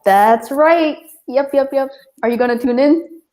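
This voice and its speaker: A woman's voice: high voice, a little slow, dark tone. A woman from Uganda chatting in an upbeat, friendly way on a video call. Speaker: panel guest. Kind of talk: casual video call chat.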